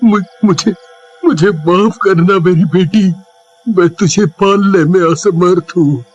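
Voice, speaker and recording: Man voicing a poor father, anguished, slow and halting, high-pitched, dull sound, music underneath. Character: poor village father, despairing.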